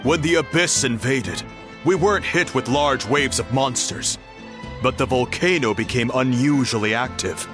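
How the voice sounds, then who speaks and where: A man's voice: medium pitch, moderate pace, music in the background, close to an everyday voice. A man voicing a friendly, earnest young tribal warrior in a video game, courteous and explanatory. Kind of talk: video game character acting.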